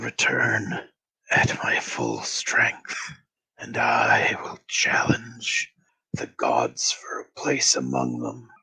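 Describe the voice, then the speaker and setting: A man uses a raspy, put-on character voice. He speaks at a very slow pace. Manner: whispering, ominous.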